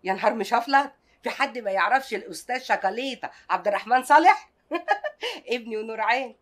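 A woman's voice: on the high side, close to an everyday voice. An actress with an Egyptian accent playing a proud, devoted mother who works hard to raise her son, speaking in a homely, emphatic way. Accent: Egyptian Arabic. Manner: homely, emphatic, quick to plead. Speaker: working mother. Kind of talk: Egyptian TV drama acting.

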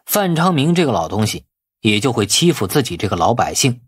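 A man's voice: mid-range voice, sing-song, brisk, breathy edge. A man narrating a novel as an audiobook in a dramatic, scripted storytelling style.

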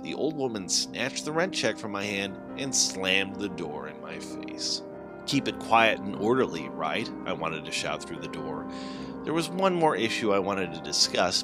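A man reading a first-person horror story as a scripted, dramatic narration in an expressive, deliberate way. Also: lowish voice. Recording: background music under the voice. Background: music.

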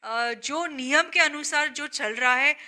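Slow, bright-voiced Indian woman host. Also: high voice. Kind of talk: talk show interview. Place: small studio set, indoors. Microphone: handheld mic.

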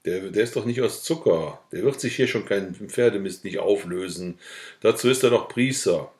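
A man's voice: lowish voice, moderate pace, a little mellow, echoey room, natural voice. A man reading the lines of a blunt, earthy old village woman who speaks in a scolding, matter-of-fact way.

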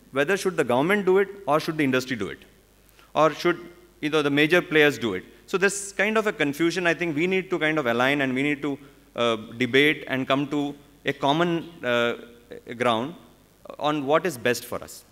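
A man in his forties with an Indian English accent speaks at a conference podium. He talks haltingly, with many "uh"s and restarts. A long reverb from the big hall trails behind his voice. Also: mid-range voice, fairly bright tone. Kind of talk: conference panel talk. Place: large conference hall on stage. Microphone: podium microphone.

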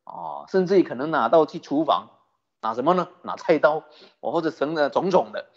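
Buddhist teacher, male, animated sermon delivery, breathy husky tone, muffled low-fi recording. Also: fairly quick. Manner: lively storytelling, rhetorical questions, chuckling. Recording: dull lo-fi recording.

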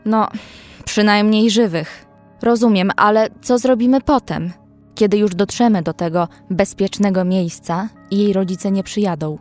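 A young woman survivor voiced by an actress tells her story in a mid-pitched voice. She is measured, tender and a little anxious, over a music bed, as in a horror audio drama. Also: a little mellow, close to an everyday voice. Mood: concerned, curious. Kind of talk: first-person horror audio drama narration.

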